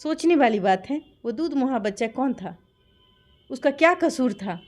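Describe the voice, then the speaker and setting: Faint music plays behind a woman from Bihar, India, whose high, darkish voice is animated at normal speed. Speaking with a Bihari accent, she's interviewed about a dispute and tells her side passionately and insistently, piling up rhetorical questions.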